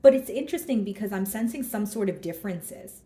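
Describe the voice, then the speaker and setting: A woman giving a casual tarot reading with a hoarse, scratchy throat, thinking aloud as she draws cards and talks straight to her viewers. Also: medium pitch, lively intonation, brisk, mellow, echoey room. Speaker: tarot card reader.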